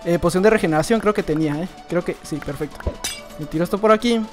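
A man's voice: high-pitched, quick pace, over music. A young man giving casual, playful commentary over his own gameplay, teasing opponents as he goes. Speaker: gaming youtuber.

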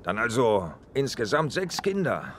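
A calm, firm police detective. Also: male voice, medium pitch, a little slow. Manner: polite but firm, dry humor. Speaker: police commissioner character. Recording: noisy background.

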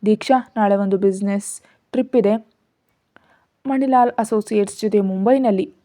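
A woman's voice: mid-range voice, normal speed, mellow, natural voice. A woman voicing a stern young male boss who speaks in clipped, commanding lines. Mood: businesslike.

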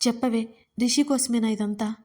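A distraught young woman in an audio story, pleading through tears and shouting at her friend, as a woman narrator voices her. Her voice sits somewhat high and is strained with crying. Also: fairly even intonation, moderate pace, natural voice.

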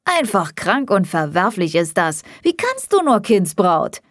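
A woman's voice: medium pitch, big pitch swings, unhurried, no echo, clean studio sound. A woman voicing a playful adult father who teases with mock outrage in an audiobook. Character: playful dad friend, adult man.

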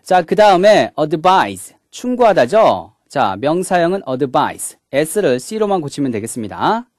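Man, grammar teacher, video lecture, lively rising and falling voice, dry close sound. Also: fairly high pitch, slow, no room sound. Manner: explains step by step, opening each point with "자"; mixes English words into the explanation.

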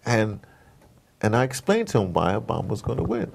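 Animated American man with a creaky voice. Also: fairly low pitch, fairly quick, slight background noise. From United States. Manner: animated, opinionated, digressive, re-enacting conversations. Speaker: interview guest, audio drama producer. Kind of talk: casual, rambling storytelling in an interview.

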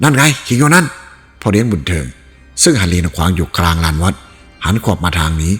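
A man narrating a novel aloud in an expressive storytelling read. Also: low-pitched. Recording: reverberant room with faint music.

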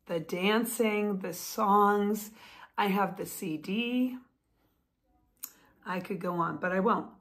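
A woman's voice: mid-range voice, slow pace, pauses often, a bit bright. A woman in her fifties talking casually to camera at home, chatty and enthusiastic, gesturing with her hands as she talks. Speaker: vlogger and author. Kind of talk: casual talking-head vlog. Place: home room, indoors. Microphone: phone or webcam close up.

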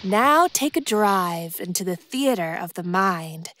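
A woman's voice: fairly low pitch, animated, measured pace. Woman narrator over prominent music. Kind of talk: scripted storytelling narration.

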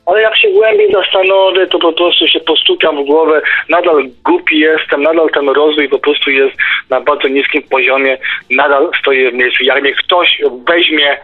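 Male radio discussion guest, middle-aged, fairly high voice, thin telephone sound, halting and repetitive thinker. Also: expressive. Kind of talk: casual debate and musing. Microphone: phone or internet call. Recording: tinny phone line, faint music behind.

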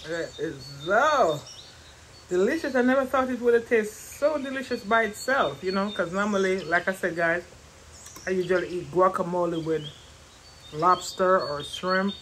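A high-voiced man chats to his viewers while chewing his food, the words coming out around each mouthful. Faint outdoor background noise sits under his voice. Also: lively intonation, moderate pace, fairly bright tone. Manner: chatty, addresses viewers as guys. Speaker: vlogger. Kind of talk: casual mukbang chat to camera.

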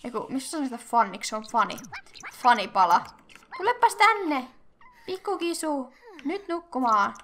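A young woman hosting casual game commentary, chatty and excitable, thinking aloud and squealing at cute animals. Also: a little high, gravelly, a little hiss or hum. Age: young adult. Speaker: gaming channel host.

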